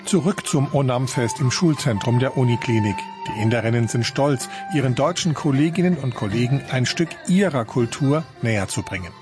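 A male reporter reads a scripted news piece in a calm, steady way. His voice sits at an ordinary middle pitch. Faint music plays underneath him. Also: normal speed, few pauses. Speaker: radio reporter.

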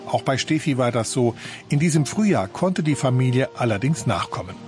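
A male reporter reads a scripted news piece in a calm, steady way. His voice sits at an ordinary middle pitch. Faint music plays underneath him. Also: a little fast. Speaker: radio reporter.

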